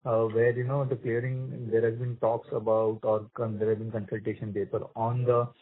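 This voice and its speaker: A man with an Indian accent, an analyst putting questions on a conference call, halting and often rephrasing. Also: mid-range voice, level tone. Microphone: phone. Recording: dry, narrow phone line.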